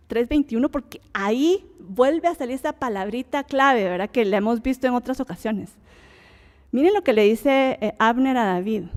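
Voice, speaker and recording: A woman's voice: a little high, darkish tone, big-room sound. A woman teaching an informal Bible study lesson, chatty and emphatic, often restarting her sentences. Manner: conversational, many fillers and restarts, rising emphatic exclamations.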